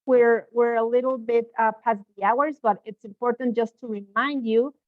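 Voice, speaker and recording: A woman hosting a live webinar, going through sales promotions quickly with frequent filler sounds over a video call. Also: fairly high pitch, steady tone, dry recording. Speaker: host presenting promotions. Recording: tinny, dry call audio.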